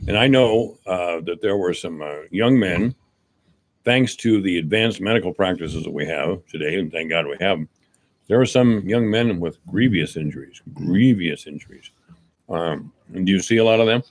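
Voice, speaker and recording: A man's voice: sits low, lively intonation, normal speed. A middle-aged man hosting a casual radio interview, asking questions in a folksy, chatty way. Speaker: radio host. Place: radio studio. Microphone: studio microphone.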